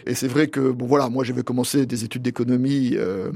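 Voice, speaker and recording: A man in his sixties from Paris, a pastor thinking aloud as an interview guest, with frequent pauses and restarts. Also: mid-range voice, little pitch movement, vocal fry, darkish tone. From Paris, France. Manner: thoughtful, halting, many pauses and restarts. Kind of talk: reflective interview answers.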